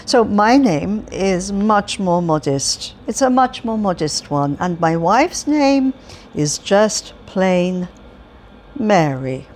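A woman's voice: mid-range voice, lively intonation, slow, a little mellow, a little hiss or hum. A woman voicing a chatty cheerful old man. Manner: rambling, stumbling, relentlessly upbeat. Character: cheerful chatty elderly man, tiresome and friendly. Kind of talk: audiobook character reading.

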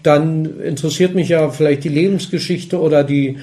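A man interviewing a guest in a relaxed conversation, speaking in a thoughtful, measured way. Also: a little high. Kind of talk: casual interview talk.

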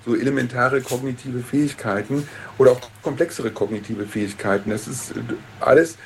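A man being interviewed as an expert on the radio, explaining in a calm, measured way. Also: mid-range voice, a little hiss or hum.

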